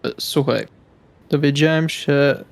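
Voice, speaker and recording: A man's voice: on the high side, steady tone, slow pace, vocal fry. A man playing a tabletop roleplaying game, talking conversationally in character in a hesitant, understated manner.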